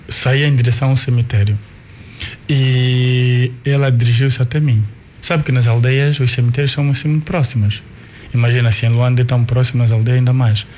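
A man in his forties with an Angolan Portuguese accent and a mid-pitched voice. Kikongo is his first language, and he tells his story thoughtfully, pausing and restarting as he searches for words. A faint hiss of noise sits under the recording. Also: darkish tone. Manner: unhurried, restarts and repeats words while recalling. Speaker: guest, artist and cultural manager. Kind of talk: reflective life-story telling.

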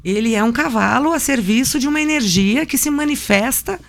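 A woman's voice: high-pitched, a little fast, gravelly. A woman puppeteer, reflecting thoughtfully in an interview and searching for her words.

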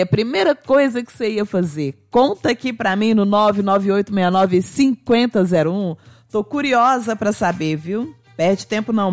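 A woman's voice: medium pitch, a little mellow, dry recording, studio quality. A woman, hosting a radio call-in show with chatty, affectionate talk. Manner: chatty and affectionate, addresses listeners as "gente". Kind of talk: casual radio chat.

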